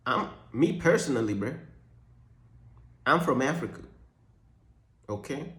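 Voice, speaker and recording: A man's voice: medium pitch, sing-song, measured pace, a bit bright, roomy sound. A young man from Uganda giving a joking, slangy faith vlog monologue as a Christian content creator.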